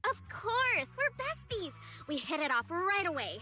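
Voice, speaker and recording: Bubbly airhead friend; chatty, very high, lively. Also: female voice, moderate pace, soft background music, heavily acted. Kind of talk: video game voice acting.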